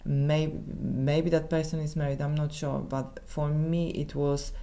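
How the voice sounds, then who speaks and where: A woman with a Polish accent, a native Polish speaker, giving a casual tarot reading in halting English with many restarts. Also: low-pitched, flat delivery, mellow. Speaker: tarot reader.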